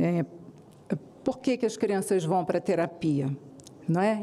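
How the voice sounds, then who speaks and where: Here a woman speaks in a medium pitch. Her pace is moderate. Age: 60s. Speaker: educational psychologist and family constellation therapist. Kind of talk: formal speech at a special session. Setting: senate session hall. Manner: halting, with filler hesitations.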